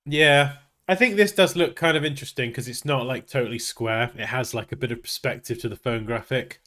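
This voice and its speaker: A man with a mid-range, fairly bright voice speaks briskly while hosting a live design tutorial. Sniffly and nasal from a blocked nose, he keeps up a casual, chatty stream of thinking aloud as he works.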